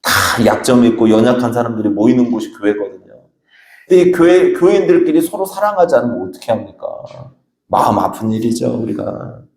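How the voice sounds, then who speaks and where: A male pastor delivers a sermon with emphatic, exhorting energy, his pitch rising and falling widely as he drives each point home. He weaves in homely anecdotes between appeals to the congregation. The voice carries through an echoey church sanctuary. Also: sing-song, a little fast, a little mellow.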